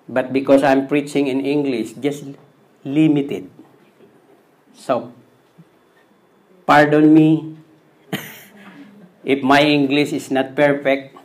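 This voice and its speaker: Slow-preaching Filipino pastor, man. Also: mid-range voice, flat delivery. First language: Tagalog. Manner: preaching slowly in simple, halting English with repeated phrases. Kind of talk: sermon.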